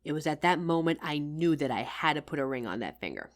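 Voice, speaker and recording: A woman's voice: deep voice, sing-song, quick pace. A woman playing a loving, tired career-woman wife in an intimate audio roleplay, speaking tenderly and teasingly as if to her husband. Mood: fond teasing.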